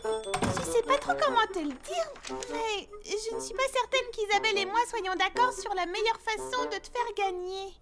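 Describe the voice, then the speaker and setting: A very high-pitched young cartoon girl, gentle and a bit unsure. She speaks mildly and tentatively over loud music. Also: normal speed. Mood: hesitant. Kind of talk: dubbed children's cartoon acting.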